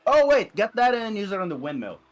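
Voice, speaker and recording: A man's voice: high-pitched, sing-song, brisk, soft background music. A man co-streaming a game, trading wisecracks, swearing and asking puzzled questions. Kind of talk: casual let's-play banter.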